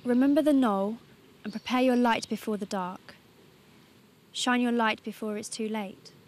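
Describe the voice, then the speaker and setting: Woman acting high-voiced, troubled young heroine. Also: normal speed, natural voice. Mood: anxious, searching. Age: young adult. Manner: anxious, earnest. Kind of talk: short fantasy film acting.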